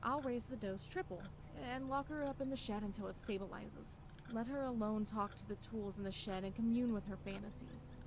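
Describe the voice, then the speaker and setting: A woman playing a grave character in a horror game, reading sinister letters and diary entries aloud in a measured, formal, dramatic way. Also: medium pitch, vocal fry, background noise, natural voice. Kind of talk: scripted horror game narration.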